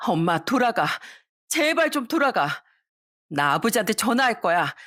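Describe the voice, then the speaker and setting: A woman voicing an angry wife who scolds her mother in sharp, accusing bursts in a storybook reading. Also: a little high, big pitch swings, moderate pace, no room sound, studio quality.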